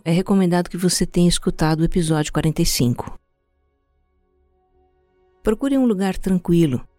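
A Brazilian-accented speaker guiding a meditation in a calm, soothing, unhurried way, leaving pauses between instructions. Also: mid-range voice, dry recording, clean studio sound. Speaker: podcast host guiding a meditation. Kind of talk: slow guided meditation narration.

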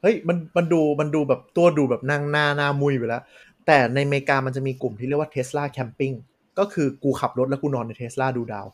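A man co-hosting a casual tech podcast, talking in an animated, joking way with crude slang. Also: medium pitch, fairly quick. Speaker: podcast co-host.

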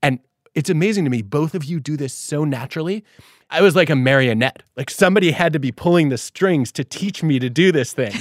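A young man hosts a podcast conversation. He talks in an animated way, changing his pitch and pace. The recording is dry and close-miked. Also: no echo. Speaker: podcast host. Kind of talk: casual conversation.

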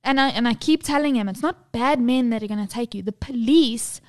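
A woman in her thirties co-hosts a casual podcast with a slightly high voice. She talks candidly and swears freely. She slips into the voices of people in her stories. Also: fairly quick. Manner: candid, swearing, acts out quotes. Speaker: podcast co-host. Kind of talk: casual chat.

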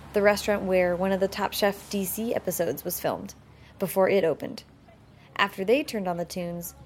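A woman podcast host narrating a scripted introduction with a measured, upbeat delivery. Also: medium pitch, darkish tone, slight background noise.

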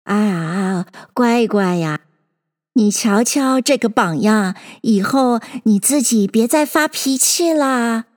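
A woman voicing an old mother crab gently lecturing her daughter in a storybook reading. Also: a little high, lively intonation, slow pace, long reverb tail. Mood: coaxing. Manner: coaxing, scolding gently.

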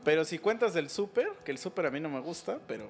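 Animated Mexican man with lively pitch. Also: quick pace. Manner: slangy, animated, laughs often. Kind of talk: casual chat.

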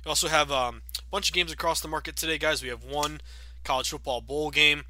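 A man in his thirties hosting a sports betting podcast, chatty and upbeat with many fillers, sounding a bit raspy from a cold. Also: fairly high pitch, steady tone, fairly quick, bright, forceful tone, a little hiss or hum. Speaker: podcast host.

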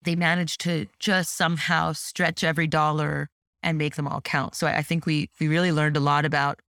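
A woman from Canada whose first language is French, talking as an entrepreneur guest in a casual podcast interview, animated and chatty with lots of "like" and "you know". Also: deep voice, moderate pace, no room sound, studio quality.

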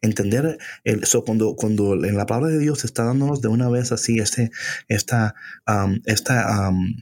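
A man's voice: fairly low pitch, normal speed, a little mellow, slightly rough. A man co-hosting a conversational Bible-teaching podcast in Spanglish, slipping English phrases into his Spanish and repeating words for emphasis.

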